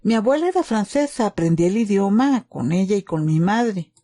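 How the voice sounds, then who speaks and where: A woman's voice: medium pitch, lively intonation, moderate pace, warm tone, natural voice. A woman voicing a naive young German boy in a wartime story, questioning and hesitant. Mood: hesitant, earnest.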